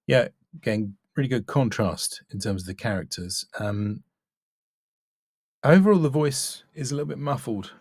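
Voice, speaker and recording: A man giving an off-the-cuff spoken critique as a coach, measured and considered. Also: medium pitch, lively intonation, darkish tone, breathy edge, no echo. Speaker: voice-over coach.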